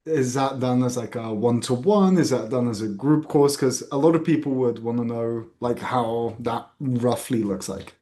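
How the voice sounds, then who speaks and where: A man hosting a casual interview, relaxed and encouraging, sometimes stumbling over repeated words. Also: mid-range voice, normal speed, hardly any pauses. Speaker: program owner, interviewer.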